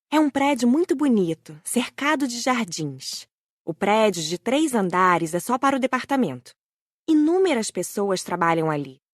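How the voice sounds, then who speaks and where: Animated woman narrating an audiobook. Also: fairly high pitch, dry recording, studio quality. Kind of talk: scripted audiobook narration in first person.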